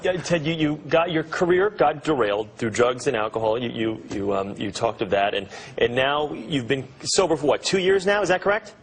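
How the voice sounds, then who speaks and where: A male morning TV host leads a live interview in a mid-pitched, upbeat broadcast voice. He asks his questions brightly and laughs easily. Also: fairly quick, few pauses.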